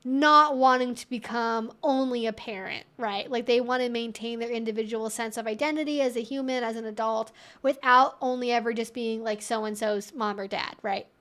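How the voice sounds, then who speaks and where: A woman's voice: on the high side, steady tone, normal speed, few pauses, a bit bright. A woman hosting a casual educational livestream, explaining things conversationally with lots of "like" and "you know". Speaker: host of a live Q&A stream.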